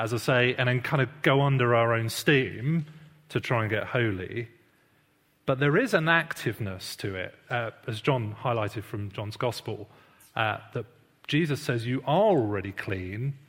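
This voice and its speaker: A man's voice: medium pitch, lively intonation, normal speed, fairly bright tone. Man teaching in a reverberant hall. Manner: conversational, self-deprecating, many fillers. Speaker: church teacher. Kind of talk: sermon-style teaching talk.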